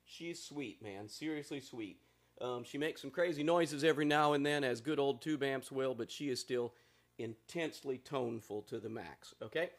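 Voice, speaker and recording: A man's voice: mid-range voice, normal speed. A man hosting a casual guitar amp demo, talking in a playful, folksy way from the floor of a room full of amps. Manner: folksy, playful, drawling asides. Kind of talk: casual joking gear demo. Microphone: instrument mics on amps, voice faint.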